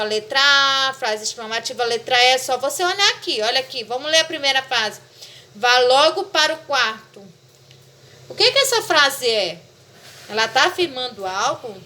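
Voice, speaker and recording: A woman's voice: high-pitched, pushed and bright, slight background noise. A woman teaching a remote class, explaining step by step and checking understanding with "tá?". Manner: patient, repeats "tá?" to check understanding.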